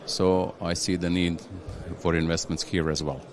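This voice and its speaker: Guy, very deep voice, exec being interviewed, stop-start talk with lots of "yeah?". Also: flat delivery. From Croatia. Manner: halting, restarts phrases, tags with "yeah?". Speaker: industry executive guest. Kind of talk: conversational interview.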